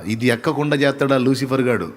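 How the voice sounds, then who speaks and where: A man's voice: medium pitch, fast. Man preaching in a reverberant hall. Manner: lively, rhetorical questions to the congregation, teasing acted asides. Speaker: pastor. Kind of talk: live church sermon. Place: church hall.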